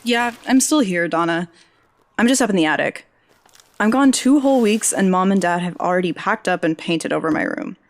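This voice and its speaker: An actress playing a young journalism graduate, dry, sarcastic and curious, in a naturalistic audio drama. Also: female voice, lowish voice, expressive, moderate pace. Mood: wry, casual. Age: young adult.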